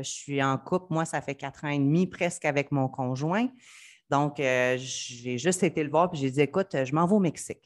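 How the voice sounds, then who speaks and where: A woman in her thirties with a Quebec French accent, a podcast guest telling her story in a candid, personal way. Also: sits low. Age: 30s. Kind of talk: casual podcast interview.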